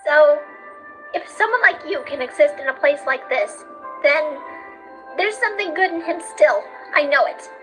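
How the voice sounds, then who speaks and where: Woman playing a young skeleton brother, high-pitched, earnest, kind-hearted, swooping intonation, cartoon dub, music underneath. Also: moderate pace, poor audio. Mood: earnest, pleading. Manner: earnest, pleading, animated. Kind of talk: cartoon comic dub acting.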